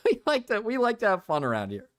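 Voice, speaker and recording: Animated male livestreamer with swooping pitch. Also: fast. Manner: joking, repeats his phrases. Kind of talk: casual chat reacting to viewer comments.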